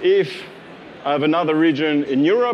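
Over light background noise, a man with a French accent speaks fairly quickly at a fairly high pitch. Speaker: cloud solutions engineer; presenter. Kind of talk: technical talk. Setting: stage with audience. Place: hall.

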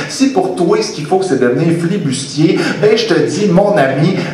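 Light background noise and audible room echo surround a man speaking with a Quebec accent. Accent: Québécois French. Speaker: slam poet. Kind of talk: improvised slam poetry performance. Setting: live stage show. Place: stage.

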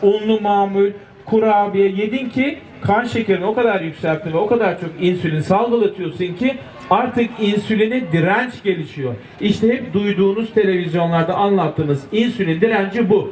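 Over faint music in the background, a man speaks at a moderate pace with a high pitch and ordinary pitch variation. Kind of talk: public lecture. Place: stage.

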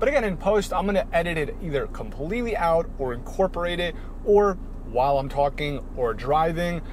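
Over light background noise, a man talks at a moderate pace with a dry sound and no echo. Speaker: car vlogger testing mics. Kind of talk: casual vlog chat. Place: car. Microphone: lapel.

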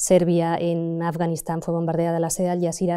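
A woman with a dark, mellow tone and fairly low pitch speaks at a moderate pace. The background is quiet. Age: 40s. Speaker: journalist, war reporter. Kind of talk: interview. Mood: calm, reflective, serious. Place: studio. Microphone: lapel.

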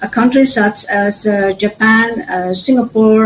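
A woman speaks at a fairly slow pace with ordinary pitch variation. Light background noise sits behind her. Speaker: panelist. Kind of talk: panel talk. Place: home room. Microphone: video call.

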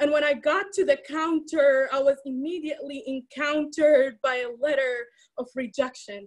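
A quiet background, a moderate pace and ordinary pitch variation. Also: woman, high pitch for a woman. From Sudan. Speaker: poet. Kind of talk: poetry performance and panel discussion. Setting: video call. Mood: emotional, expressive. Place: home room. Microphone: video call.

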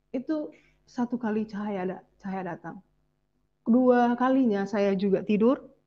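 Woman's dark, mellow, fairly high voice at a moderate pace, ordinary pitch variation, big swings in loudness and long, frequent pauses. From Indonesia, ethnic Malay. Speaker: religious convert giving testimony. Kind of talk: testimony. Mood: emotional, earnest. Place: home room. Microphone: earbuds.

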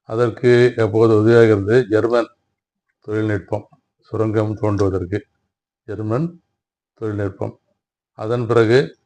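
The man's voice has a dark, mellow tone and fairly low pitch. His intonation stays fairly even. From Puducherry, India. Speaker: retired electrical engineer and author. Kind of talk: interview. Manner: halting.

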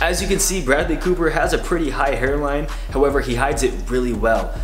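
Very fast speech from a man comes with audible room echo and faint music in the background. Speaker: hair style vlogger. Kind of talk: casual vlog chat. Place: studio.

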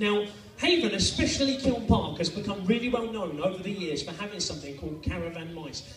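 A man talks at a very fast pace. Audible room echo and light background noise come through. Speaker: tribute comedian. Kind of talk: stand-up comedy routine. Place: stage.

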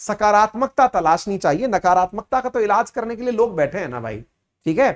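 An animated man with a high pitch and moderate pace, in a dry, close sound with no echo. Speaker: online exam-prep teacher. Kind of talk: lecture. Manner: animated, conversational.

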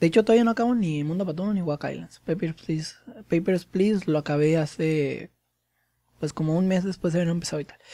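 Against a quiet background, a man rattles off his words at a very fast pace. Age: 20s. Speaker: gaming YouTuber; gaming vlogger. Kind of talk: casual vlog. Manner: rambling with many fillers. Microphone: studio mic.

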